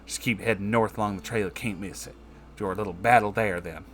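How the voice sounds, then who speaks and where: A man's voice: fairly low pitch, steady tone, brisk, a bit bright, close to an everyday voice. A man voicing a hostile, scornful woman hunter in a comedic story reading, curt and menacing. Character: hostile, scornful Louisiana woman who hunts.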